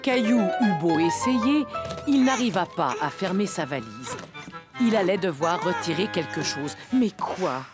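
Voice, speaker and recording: A woman's voice: fairly low pitch, expressive, unhurried. Woman narrating a children's cartoon. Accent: French. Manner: clear, storytelling. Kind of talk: scripted storybook narration. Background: children's music.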